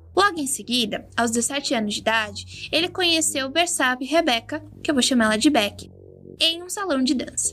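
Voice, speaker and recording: Her voice is raised and projected, pitched high, with lively intonation throughout. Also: moderate pace. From Brazil, Santos (São Paulo coast). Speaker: true crime podcast narrator, physicist. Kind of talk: scripted narration. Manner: casual asides to listener.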